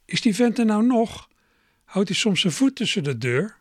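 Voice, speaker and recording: Storybook aunt, stern and fussy, high and scolding, put on by a male reader. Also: very animated, moderate pace, no echo, studio quality. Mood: irritated. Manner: sharp, scolding. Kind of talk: storybook reading.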